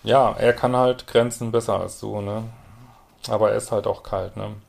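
A man's voice: on the low side, fairly even intonation, normal speed, creaky. A man hosting a podcast as a couples therapist, commenting bluntly and directly on a listener's letter and often ending with a questioning "ne?".

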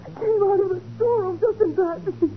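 An actress playing a fragile, distraught wife with halting, tremulous delivery in a 1940s radio melodrama, on a thin vintage recording. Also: female voice, extremely high pitch, phone-quality sound. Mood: shaken. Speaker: actress in a radio crime drama.

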